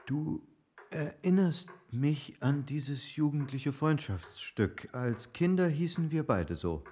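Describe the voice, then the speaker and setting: An actor playing a genial landed gentleman in a literary radio drama, with a formal way of speaking. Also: a little high, animated, slow pace, husky, heavily acted. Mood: fondly reminiscing.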